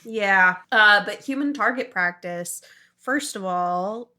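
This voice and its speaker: A woman's voice: medium pitch, slow, bright, forceful tone. An American woman hosting a casual podcast, speaking bluntly and sardonically with plenty of swearing. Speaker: podcast host.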